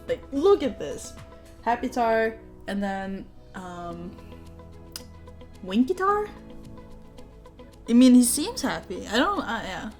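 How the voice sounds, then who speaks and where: A woman's voice: fairly high pitch, big pitch swings, slow, pauses often, darkish tone, soft background music. A young woman with a Norwegian accent, a native Norwegian speaker, chatting casually in a show-and-tell vlog, rambling with many fillers. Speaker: vlogger.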